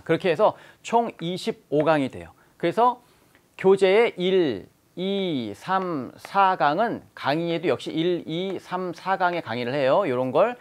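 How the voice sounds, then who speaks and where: Male lecturer, fairly high voice, patient and explanatory. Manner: explanatory, poses rhetorical questions. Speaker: language teacher. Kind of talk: exam-prep lecture.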